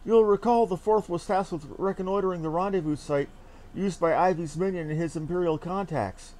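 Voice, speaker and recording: A man's voice: sits high, brisk, warm tone, natural voice. A man voicing an earnest, refined young male commander from a fantasy game, with formal and eloquent phrasing. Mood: worried, urgent.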